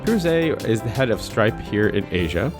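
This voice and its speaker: Low-voiced man hosting a podcast. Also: very animated, normal speed, music in the background. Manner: polished reading in intro, hesitant with fillers when asking. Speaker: podcast host. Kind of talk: scripted intro, then casual interview questions.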